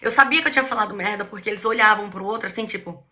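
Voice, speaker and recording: A Brazilian woman in her thirties with a Brazilian Portuguese accent, a guest casually telling her story and acting out what others said with big jumps in her voice. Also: rapid-fire. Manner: animated, acts out quoted speech with pitch jumps.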